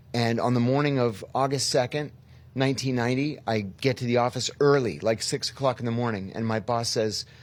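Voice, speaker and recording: A man speaks in an unremarkable speaking voice at medium pitch with an American accent, moving at a fairly quick pace with ordinary pitch variation. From Pennsylvania, US. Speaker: former intelligence officer. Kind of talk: podcast interview.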